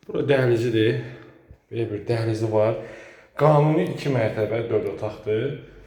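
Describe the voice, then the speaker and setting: A man speaks at a moderate pace and medium pitch with ordinary pitch variation. Long, frequent pauses break up his speech, and room echo is audible. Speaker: real estate agent. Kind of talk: property tour sales pitch.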